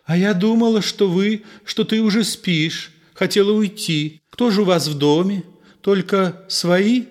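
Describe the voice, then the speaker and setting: A man's voice: high voice, a little slow, voice pushed up. A man reading an audiobook play, voicing an eager, affectionate young woman in a raised, pleading voice.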